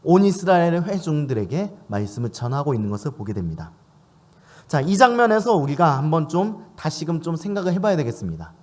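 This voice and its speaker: A man's voice: on the high side, big pitch swings, fairly quick. A man preaching a sermon in church, asking questions of his listeners as he speaks. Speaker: pastor.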